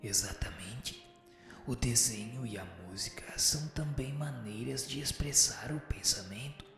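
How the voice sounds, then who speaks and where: Huge echoey reverb, guy playing a wise solemn spirit, brazilian accent, measured teacher talk, music under it. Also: mid-range voice, natural voice. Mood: solemn, instructive. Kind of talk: scripted radio drama dialogue. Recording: cavernous echo, long reverb, music underneath.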